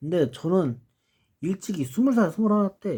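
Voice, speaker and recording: A man speaks at a moderate pace in a dark, mellow tone with some breathiness. His pitch swings very widely. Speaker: model kit hobbyist video host. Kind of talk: casual vlog talk. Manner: not always clearly articulated.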